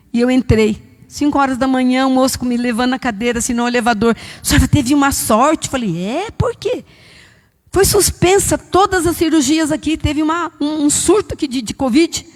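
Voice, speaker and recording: Fervent older woman in a reverberant church. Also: high-pitched. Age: 70s. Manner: fervent, storytelling with quoted dialogue. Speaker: church member giving testimony. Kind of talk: church testimony. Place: church hall. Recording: long church hall reverb.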